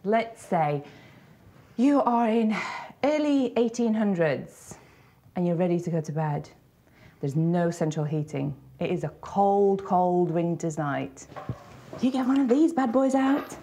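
A woman in her forties, an antiques expert presenting to camera with animated, theatrical storytelling inside a large shop. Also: on the low side, measured pace.

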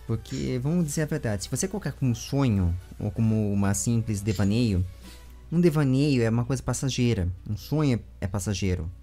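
A man in his twenties with a Brazilian accent, hosting a casual interview in an animated, rambling way, speaking into a close desk microphone at home. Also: mid-range voice, a little fast, soft background music. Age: 20s. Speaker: interviewer and show host. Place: small room with bookshelves at home. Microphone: large desk microphone with foam windscreen, close.

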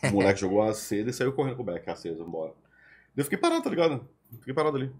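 Fast-talking husky man telling a story. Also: mid-range voice. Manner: slangy, lively storyteller. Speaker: podcast guest, former radio host. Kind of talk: animated anecdote in casual chat.

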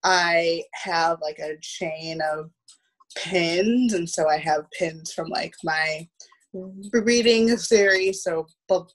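A woman's voice: on the low side, slow, rough recording. A woman in her thirties chatting casually as a guest on a video call, stammering on the first syllables of words. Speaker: guest, theatre producer. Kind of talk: casual chat. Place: home room, on a video call. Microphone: video call, wearing headphones.

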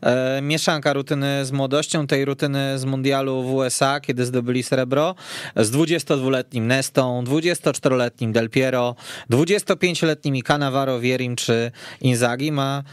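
A man's voice: medium pitch, steady tone, normal speed, clean tone, no echo, studio quality. A man hosting a football radio discussion, introducing topics to his guests. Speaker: host. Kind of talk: moderating a sports radio discussion.

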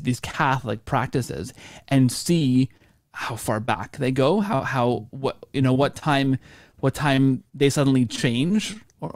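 A man in his thirties hosting a podcast over a video call, thinking aloud in halting, repeated phrases. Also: mid-range voice, darkish tone, no echo, clean studio sound. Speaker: podcast host. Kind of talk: casual podcast discussion. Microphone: video call microphone.

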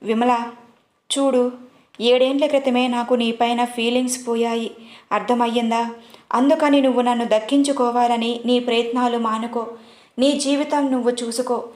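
A woman's voice: a little high, fairly even intonation, moderate pace, a little mellow, lightly acted. A woman voicing a stern young boss. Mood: firm. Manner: blunt, scolding. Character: stern young male boss, cold and firm. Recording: roomy echo.

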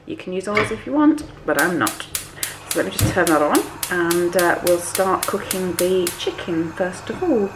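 A woman in her forties, a little hoarse from a cold, chatting to camera in her home kitchen with lots of ums and "okay?". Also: lowish voice, animated, normal speed. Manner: chatty, many ums, stresses points with "okay?". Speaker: cooking vlogger. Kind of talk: chatty cooking vlog to camera. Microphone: handheld camera close to face. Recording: echoey kitchen with faint hum.

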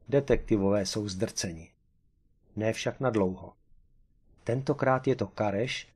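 A man's voice: on the low side, a little mellow. A man narrating a humorous short story as an audiobook, in a dry, matter-of-fact manner.

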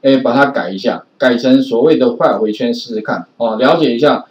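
A man's voice: mid-range voice, a little fast, a little mellow. A male programming teacher with a Taiwanese Mandarin accent, giving a recorded classroom lecture in a chatty way with many filler particles. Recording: roomy, distant, dull lo-fi classroom audio.

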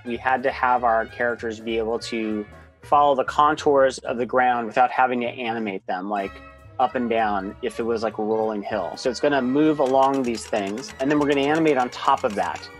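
A middle-aged man explains things in an informal, conversational way. His voice is medium in pitch. He is recorded on a video call from a small home office, with faint music behind him. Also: fairly quick. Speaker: expert interviewee. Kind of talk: casual spoken explanation in an interview. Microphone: video call with wired earphones.

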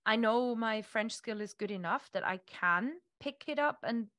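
Animated woman on a video call. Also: a little high, normal speed, dry recording, studio quality. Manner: animated, gestures while talking. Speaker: guest. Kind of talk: casual conversation. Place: home room, indoors. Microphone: earphones on a video call.

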